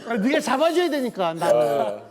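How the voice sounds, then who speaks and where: A man hosting a casual chat over drinks, teasing his guests and then giving slow, earnest advice. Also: sits high, wildly swooping pitch, in a large hall, over a noisy crowd. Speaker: host.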